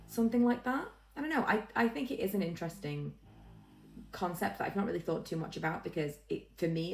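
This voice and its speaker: A woman's voice: on the low side, a little mellow, low-quality recording. A woman vlogging casually, rambling in a self-deprecating way and repeating phrases for emphasis. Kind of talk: casual chatty vlog to camera.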